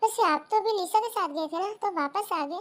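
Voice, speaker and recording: In a put-on character voice, a woman speaks at an extremely high, squeaky pitch with ordinary pitch variation. Her delivery comes at a very fast pace. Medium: read story.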